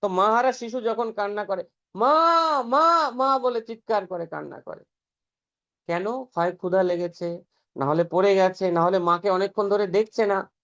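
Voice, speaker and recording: A man's voice: sits high, steady tone, normal speed, a bit bright. A man giving an earnest devotional scripture talk, explaining step by step and chanting some passages aloud. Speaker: preacher. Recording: dull lo-fi recording.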